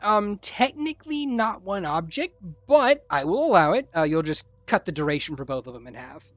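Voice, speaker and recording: A game master narrating a tabletop game in an animated, rambling way with many fillers. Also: medium pitch, moderate pace, no echo, lo-fi sound.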